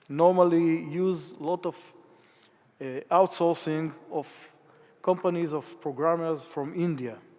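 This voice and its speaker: This man talks at a very slow pace with long, frequent pauses. His pitch is high and his intonation fairly even. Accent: non-native. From Israel. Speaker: cybersecurity expert. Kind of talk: conference talk. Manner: halting.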